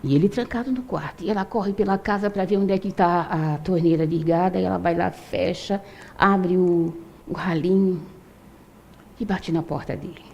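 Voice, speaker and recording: Warm older woman telling a story. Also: on the low side, normal speed, vocal fry, a little hiss or hum. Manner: conversational, frequent tag questions. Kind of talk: oral storytelling to an audience.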